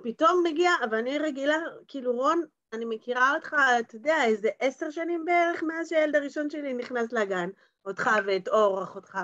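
A woman in her fifties telling neighborhood anecdotes in a lively way on a video call. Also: high-pitched, dull audio. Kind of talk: casual video call chat. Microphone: laptop webcam on a video call.

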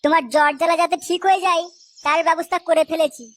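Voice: extremely high pitch, flat delivery, fast, a bit bright, a little hiss or hum. A performer voicing a brash, sly small youngster in a comedy cartoon, blunt and slangy in speech. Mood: cheeky, confident.

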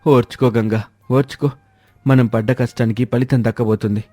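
A man playing a scheming village husband who poses as a holy man, smooth-talking and persuasive, in a storybook dialogue. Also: medium pitch, fairly even intonation, moderate pace, mellow, lightly acted. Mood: sly, persuasive. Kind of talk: scripted animated moral-story dialogue. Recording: background music under the voice.

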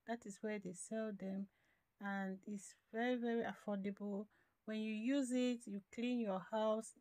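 In her thirties, a woman narrates a home vlog with a casual cook-and-clean voice-over, explaining things simply and repeating words for emphasis. Her voice sits fairly high, warm and smooth, with no echo.

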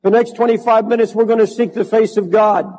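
Older guy preaching, kinda high voice, big churchy echo, gets fired up and hammers the same phrase. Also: steady tone, brisk, warm tone. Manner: builds to fervent, emphatic repetition. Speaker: pastor. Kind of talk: sermon. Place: large church.

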